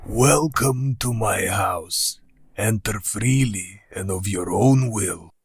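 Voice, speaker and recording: An actor playing an ancient, proud male vampire count in a radio play, speaking in a formal, old-fashioned way with a gravelly, husky voice. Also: on the low side, over music. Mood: hospitable. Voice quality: gravelly, husky, slow and deliberate.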